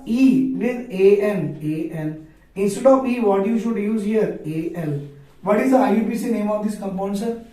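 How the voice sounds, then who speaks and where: High-pitched South Asian man teaching, very echoey. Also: dark tone. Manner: questioning, repetitive, spelling terms out letter by letter. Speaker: chemistry teacher. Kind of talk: online chemistry lesson. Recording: echoey room, far from mic.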